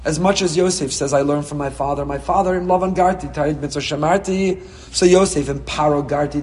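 A man giving a Torah class as a rabbi, reading Hebrew texts and explaining them with passion, swinging between soft and loud. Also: a little high, big-room sound. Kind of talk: Torah class on the weekly portion.

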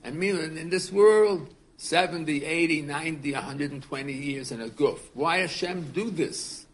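A man's voice: fairly high pitch, normal speed, slight background noise. A man in his seventies, a rabbi teaching a class in a casual, earnest way, often repeating words and asking his students questions. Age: 70s.

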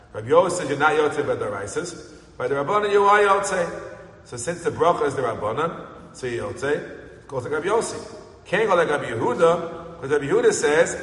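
A man with an American Yeshivish accent, teaching a Talmud class in a lively way and chanting the text he reads. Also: fairly high pitch. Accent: American Yeshivish English with Hebrew and Aramaic terms. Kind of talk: Talmud lecture. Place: synagogue study hall. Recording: echoey hall recording.

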